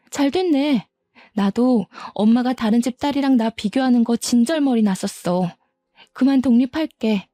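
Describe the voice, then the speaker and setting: A woman's voice: on the high side, warm tone, no echo, lightly acted. A woman voicing a defiant grown daughter who answers her mother with cutting, sarcastic retorts. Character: defiant grown daughter, sharp-tongued doctor.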